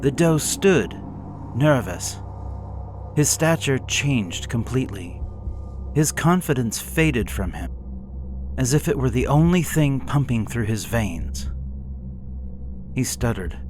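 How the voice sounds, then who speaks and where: A man slowly reading a gothic horror story aloud in a measured, somber way. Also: medium pitch, sing-song, a little mellow. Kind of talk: scripted horror narration. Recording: hissy background noise.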